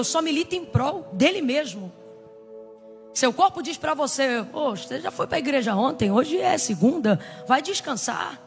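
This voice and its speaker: A woman pastor, leading a fervent sermon and prayer before a congregation, repeating pleas and at times shouting. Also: extremely high pitch. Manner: impassioned, repetitive pleading prayer, sometimes shouting. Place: church service before a congregation.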